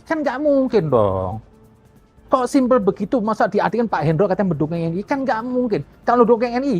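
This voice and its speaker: A man's voice: high-pitched, a little mellow. A man giving a blunt, mocking opinion monologue on a religious controversy. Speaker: religious commentator. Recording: lo-fi with faint music.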